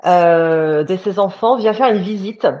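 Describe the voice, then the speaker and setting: A woman's voice: medium pitch, unhurried, dark tone. A woman hosting a live online interview as a love coach, chatty and hesitant with fillers. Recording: dull lo-fi sound.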